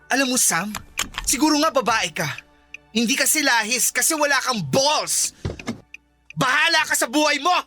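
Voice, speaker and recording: A performer acting a jealous, sharp-tongued, wounded gay office worker in an accusing, sarcastic Filipino radio drama style. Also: high-pitched, expressive, normal speed, pauses often, faint music behind. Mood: furious. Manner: accusing, sarcastic, emotionally escalating.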